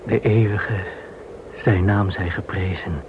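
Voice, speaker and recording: A man in a radio play acting a devout Jewish man facing deportation, telling things in a solemn, measured way. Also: low voice, steady tone. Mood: grave, devout. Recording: muffled phone-like band, clear hiss.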